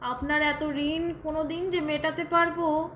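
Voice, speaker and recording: A woman playing a gentle, weary, grateful young housewife in an audio drama, speaking hesitantly and politely. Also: high-pitched, flat delivery, a little slow. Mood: tearful gratitude. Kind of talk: Bengali audio drama acting. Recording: echoey room, faint background noise.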